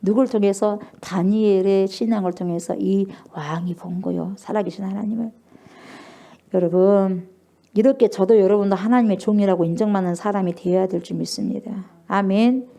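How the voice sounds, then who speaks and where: A woman's voice: mid-range voice, fairly even intonation, moderate pace, vocal fry, warm tone. A woman pastor preaching a sermon, speaking emphatically, asking the congregation questions and acting out scripture with feeling. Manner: emphatic, asks the congregation questions and acts out scripture with rising emotion.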